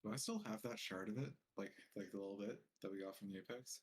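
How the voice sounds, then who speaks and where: A man's voice: fairly low pitch, quick pace. A man playing a tabletop game, chatting and joking casually with the group.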